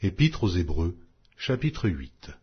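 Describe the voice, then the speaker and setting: A man narrating an audio Bible in a solemn, measured, declamatory reading style. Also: sits low, sing-song, breathy edge. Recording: dull lo-fi audio.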